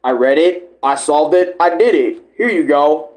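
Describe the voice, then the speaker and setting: A man's voice: fairly high pitch, expressive, a little slow, a little mellow. A man giving casual, rambling reaction commentary full of slang and swearing, like a host talking to friends. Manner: rambling, informal, often addressing others as bro or dude.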